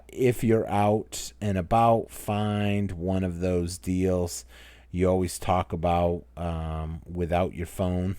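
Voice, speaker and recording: A man's voice: low-pitched, mellow, no room sound. A man with a Maine accent hosts a casual Q&A chat, rambling as he reads viewer comments aloud. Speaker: channel host.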